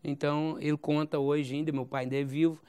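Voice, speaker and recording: A man in his forties with a Brazilian accent from Goiás, a pastor telling his life story as a guest in an interview, with a halting style that often repeats phrases and adds "né?". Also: a little high, level tone, mellow, clear, resonant tone. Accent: Brazilian Portuguese, Goiás. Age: 40s. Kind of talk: recounting a personal testimony.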